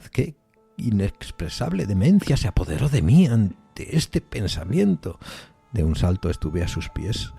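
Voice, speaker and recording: Male reader as horror-struck widower for gothic tale: low, husky, theatrical, halting, dread-laden. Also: mellow, full character voice. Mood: disbelieving, feverish. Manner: theatrical, halting, emphatic repetitions. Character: haunted, horror-struck widower recounting his wife's resurrection. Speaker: podcast narrator reading a horror story. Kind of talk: dramatic gothic horror audiobook narration.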